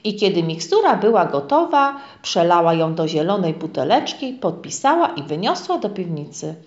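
Woman reading a kids story, low-ish lively voice, dull echoey recording. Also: normal speed. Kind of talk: reading a children's story aloud.

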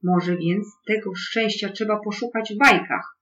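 Storyteller, calm storybook read-aloud, middling pitch, dull lo-fi sound, faint hum. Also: unhurried.

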